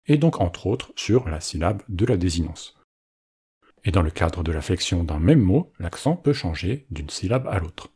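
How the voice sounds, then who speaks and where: A man with a very low, husky voice narrates a scripted language lesson. His pitch moves lively up and down while the tone stays mellow and dark, in a clear, explanatory teaching manner.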